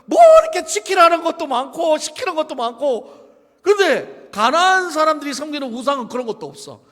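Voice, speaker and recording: A male pastor gives a conversational sermon with a high voice that swings widely in pitch. He mixes in humorous asides to the congregation. A long church reverb trails each phrase. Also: very animated, fairly quick, fairly bright tone. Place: church sanctuary.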